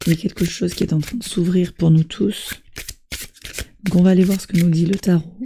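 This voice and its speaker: A woman with a hoarse voice from a cold, doing a tarot reading and gently encouraging her viewers. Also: on the low side, fairly even intonation, fairly quick, a little hiss or hum. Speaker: tarot reader.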